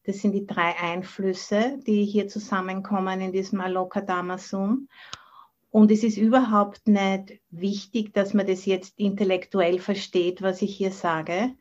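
A woman's voice: mid-range voice, steady tone, unhurried, a little mellow. A middle-aged woman with an Austrian German accent gives an informal dharma talk as a Buddhist teacher, dropping English words into her German. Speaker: Buddhist nun and meditation teacher. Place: online video call from the monastery. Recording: dull, band-limited video call audio.

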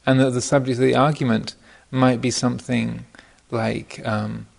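A man giving an informal dharma talk as a meditation teacher, speaking thoughtfully and hesitantly, often pausing mid-phrase, in a gravelly voice. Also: medium pitch, little pitch movement. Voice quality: gravelly, creaky voice. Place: meditation retreat center.

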